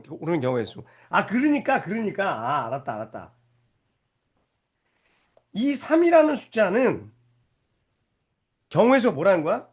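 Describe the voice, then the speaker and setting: A male math teacher giving a lively lecture, explaining step by step and often stopping to ask whether the students are following. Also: sits high, breathy edge. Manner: animated, keeps checking if students follow; explains step by step with rhetorical questions.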